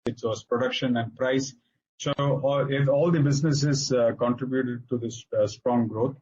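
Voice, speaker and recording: A man with an Indian accent presents as a finance executive on an earnings call, halting often with filler sounds. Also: mid-range voice, steady tone, darkish tone, slightly rough. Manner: halting, hesitant delivery with frequent filler sounds. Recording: dull lo-fi conference call audio.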